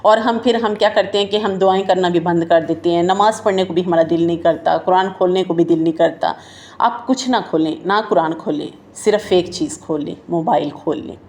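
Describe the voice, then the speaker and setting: Here a woman with a darkish voice on the low side gives a heartfelt, informal motivational talk straight to her audience. She calls them her sisters and friends, lets her speech flow loosely, and frequently uses "jo hai na" as a filler.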